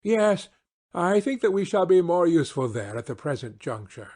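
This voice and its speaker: A man voices a confident, eager detective for an audiobook, his phrasing commanding and precise and the mood brisk and assured. His voice is high with big pitch swings, darkish in tone, at a normal speed.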